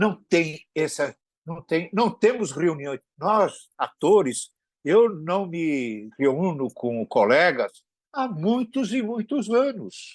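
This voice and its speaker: Very slow speech with very wide pitch swings plays against a quiet background. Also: man, high pitch for a man. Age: 80s+. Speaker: stage actor. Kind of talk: interview. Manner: halting, with restarts.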